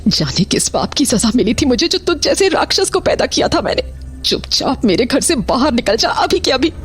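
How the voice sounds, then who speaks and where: A woman's voice: sits high, very animated, normal speed, soft background music. A woman playing a stern, fierce middle-aged mother. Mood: furious. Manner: stern, cutting, commanding. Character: middle-aged mother, caring but fiercely hostile to her son. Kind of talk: Hindi horror audio drama.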